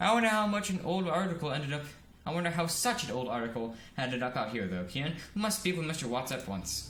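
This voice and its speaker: A man speaks at a very fast pace in a fairly high pitch, with very wide pitch swings. The recording has audible room echo and noticeable background noise. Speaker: gaming video host. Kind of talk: reading game dialogue aloud. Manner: halting, stutters while reading.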